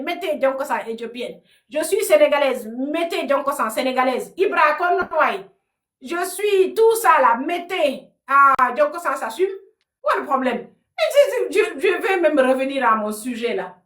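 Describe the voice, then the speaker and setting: Woman, live-stream host; high, animated and teasing, recorded off-mic in a roomy space. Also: normal speed, recorded from a distance. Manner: animated, teasing, laughing, shifting between French and local words. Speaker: live streamer answering viewers. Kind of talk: casual live-stream chat. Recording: echoey room, off-mic.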